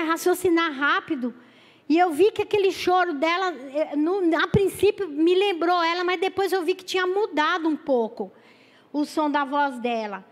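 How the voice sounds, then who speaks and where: A middle-aged Brazilian woman preaching a sermon and telling a personal story, halting and repeating words as she calls her listeners brothers. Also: high-pitched. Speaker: lay preacher. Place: church hall. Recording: echoey church hall.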